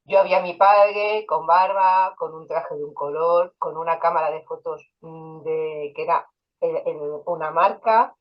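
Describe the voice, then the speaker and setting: With a deep, steady voice and a slightly slow pace, a woman hypnotherapist speaks as an interview guest, casually recounting personal stories with quoted dialogue and fillers. The audio sounds dull.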